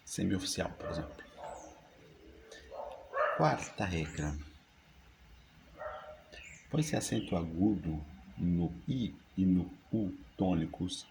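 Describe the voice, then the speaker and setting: A man, teaching a grammar lesson by reading rules and dictating example words slowly and deliberately. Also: deep voice, expressive, creaky, background noise. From Brazil.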